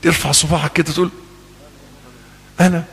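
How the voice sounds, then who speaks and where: A man preaching a sermon with an Egyptian accent, acting out back-and-forth dialogues with his listeners in an animated way. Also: fairly high pitch, fairly quick, vocal fry, breathy edge, big-room sound. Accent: Egyptian Arabic.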